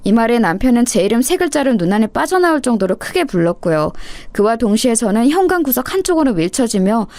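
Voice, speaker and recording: A woman telling a first-person family story in a confiding, steady way, like a radio story reading. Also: a little high, fast, hardly any pauses, no echo. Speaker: story narrator.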